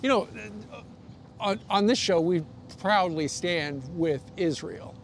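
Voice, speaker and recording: A high-voiced American man in his sixties hosts a live news interview. His delivery is conversational and halting. City noise sits behind him in the open air. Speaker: TV news host interviewing guests. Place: outdoor rooftop terrace in a city. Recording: outdoor live broadcast, clear background noise.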